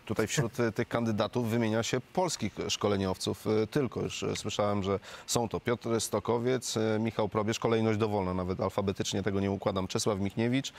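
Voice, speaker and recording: A man hosting a TV studio discussion, putting questions to guests with light joking. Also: fairly low pitch. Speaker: TV show host. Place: large TV studio.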